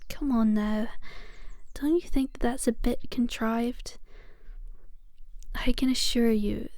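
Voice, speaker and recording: Woman doing a hushed asylum caretaker, patronizing and calm, slow warm whisper, dry close sound. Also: fairly high pitch, no echo. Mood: soothing. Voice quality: soft whisper. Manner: soothing yet dismissive, slow and hushed. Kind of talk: whispered ASMR roleplay.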